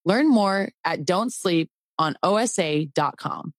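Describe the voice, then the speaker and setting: A woman reading a scripted health commercial in a calm, measured tone. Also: on the low side, no room sound. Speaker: commercial voice-over. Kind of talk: scripted ad read.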